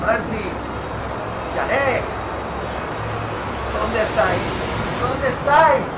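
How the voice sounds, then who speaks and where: A man playing a desperate husband and father in an audio drama, searching a snowstorm for his family with shouts and pleas. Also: very high voice, very slow, heavily acted. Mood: desperate calling. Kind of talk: Spanish-language audio drama acting. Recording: loud wind and outdoor ambience behind.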